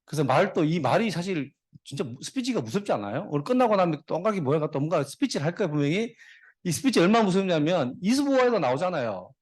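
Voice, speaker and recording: A man's voice: on the high side, very animated, quick pace. A middle-aged man giving a motivational guest speech, telling stories and dad jokes to the audience. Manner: jokey storyteller, dad jokes, talks to the audience. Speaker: guest speaker.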